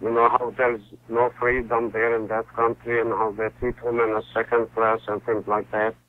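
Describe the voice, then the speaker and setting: A man in his sixties from Palestine, a guest author speaking in a halting way with many fillers and restarts. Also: medium pitch, completely flat delivery. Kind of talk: phone-in interview. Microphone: telephone. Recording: tinny phone line.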